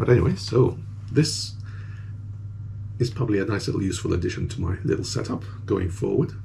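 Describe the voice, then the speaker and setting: This man speaks at a fairly quick pace in an unremarkable speaking voice with fairly low pitch, against light background noise. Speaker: product reviewer. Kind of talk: casual vlog chat. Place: home room. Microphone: phone near.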